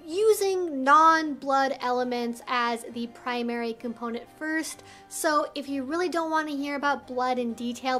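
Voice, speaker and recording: A woman with a high voice speaks as the presenter of an explanatory online video. Her delivery is measured and articulate, laid out like instruction for the viewer. Soft music plays faintly underneath her talk. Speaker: video host and educator.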